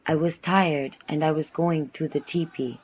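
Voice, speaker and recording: A man voicing a curious, gentle young woman who narrates an audio drama in measured, formal phrases. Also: fairly high pitch, fairly even intonation, slightly rough, lo-fi sound. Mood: evasive. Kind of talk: first-person audio drama storytelling.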